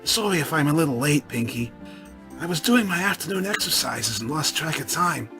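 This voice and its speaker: A brash young pegasus pony mare, as the narrator puts her on, eager and blunt in her delivery. Her voice swings about lively within a storybook reading, with faint music underneath. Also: mid-range voice, moderate pace, natural voice. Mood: apologetic.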